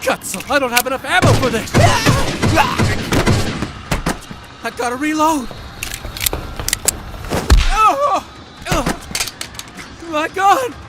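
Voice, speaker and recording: A man voicing an anxious, protective gangster sidekick in a comic dub, with animated, slangy, fretful delivery. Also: very high-pitched, slow pace, pauses often, loud music behind the voice, exaggerated voice. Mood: frantic. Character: excitable, anxious, protective male gangster buddy.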